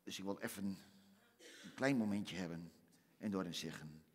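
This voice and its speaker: A man's voice: low-pitched, a little slow, slightly rough, big-room sound. A man with a Twents accent performing a mock-solemn, exaggerated comic monologue on a theater stage. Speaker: comedian.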